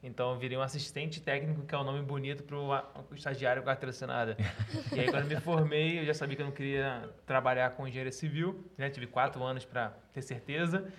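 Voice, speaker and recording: A man chatting casually as a podcast guest, telling stories in an animated, joking way. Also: medium pitch, slight background noise. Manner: fast, animated storytelling with laughs.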